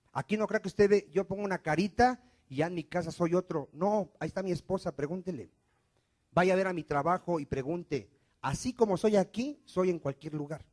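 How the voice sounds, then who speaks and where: High-voiced man preaching with call-and-response. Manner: call-and-response preaching, asks questions and answers them himself; swings from loud emphatic lines to dropped, quiet endings. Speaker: pastor. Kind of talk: sermon. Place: church.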